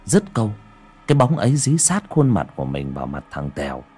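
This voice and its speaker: Husky-voiced horror narrator. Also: male voice, fairly low pitch, huge pitch swings, soft background music. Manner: dramatic, hushed, slow for suspense.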